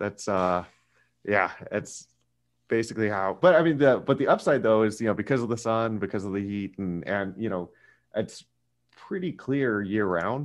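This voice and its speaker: With an American accent and a fairly low pitch, a man talks at a moderate pace with ordinary pitch variation and long, frequent pauses over a quiet background. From Tucson, Arizona. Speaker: iOS developer. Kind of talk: casual interview.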